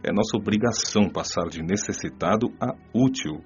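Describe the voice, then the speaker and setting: An actor playing a wise male spirit mentor, lecturing in a measured, solemn way in a radio drama. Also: fairly low pitch, close to an everyday voice. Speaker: mentor character. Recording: dull lo-fi audio with soft music.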